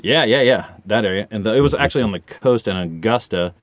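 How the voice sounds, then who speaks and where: A podcast guest in his forties, who voices audio dramas, talks at a quick pace with a fairly low pitch, animatedly performing the quoted dialogue in his casual anecdotes. The recording has no echo and its highs are cut off.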